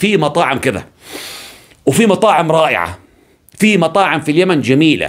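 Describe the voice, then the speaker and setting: Vocal fry and an animated tone at a moderate pace, with very even loudness, ordinary pitch variation, long, frequent pauses and a quiet background. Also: man, fairly high pitch for a man. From Yemen. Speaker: YouTube commentator. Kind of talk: monologue commentary. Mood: indignant, appealing, mocking. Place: home room. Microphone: studio mic.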